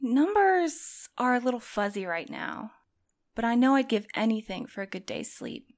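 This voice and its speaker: A woman acts an exhausted young female courier in a fiction podcast. Her voice is somewhat high. She talks earnestly, with a gentle, plaintive edge. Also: big pitch swings, normal speed. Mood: tired, candid. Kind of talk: audio fiction podcast acting.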